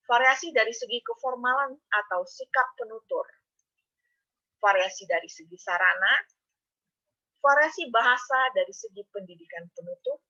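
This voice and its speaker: Woman lecturer, bright voice, talks students through it step by step, slightly muffled recording. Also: mid-range voice. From Indonesia. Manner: explains step by step, addresses students directly. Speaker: university lecturer. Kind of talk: online lecture.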